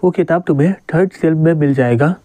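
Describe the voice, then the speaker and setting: A man reads a polite young shop assistant in a manga recap. She helps plainly. The voice is mellow and dry. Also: on the high side, fast talker, no echo, natural voice. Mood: helpful.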